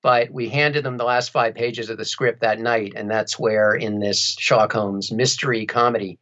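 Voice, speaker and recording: A man's voice: mid-range voice, steady tone, normal speed, fairly bright tone, dull audio. A man speaking as an interview guest, telling detailed, wry stories in a casual conversational way. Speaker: interview guest, audiobook narrator and radio play performer.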